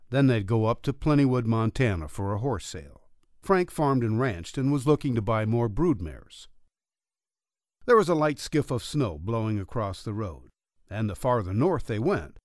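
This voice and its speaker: A man's voice: medium pitch, darkish tone, dry recording, studio quality. A man narrating a western story as a scripted audiobook reading.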